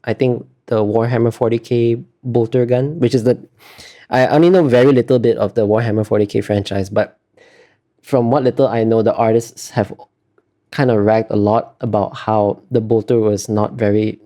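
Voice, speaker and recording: A man's voice: mid-range voice, steady tone, moderate pace, dark tone. A man being interviewed as an artist, talking casually and explaining in a hesitant, self-correcting way.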